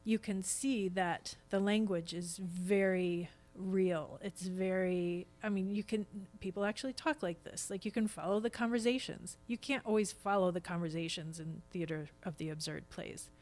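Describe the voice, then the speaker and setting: A woman's voice: lowish voice, moderate pace, hardly any pauses, a little mellow. An American woman in her fifties talking casually as a podcast guest, explaining things with examples. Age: 50s.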